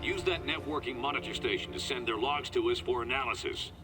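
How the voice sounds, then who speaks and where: An actor playing a sarcastic, bossy action hero in a video game cutscene. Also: male voice, mid-range voice, fairly quick, natural voice. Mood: sardonic, brisk. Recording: loud music over the voice.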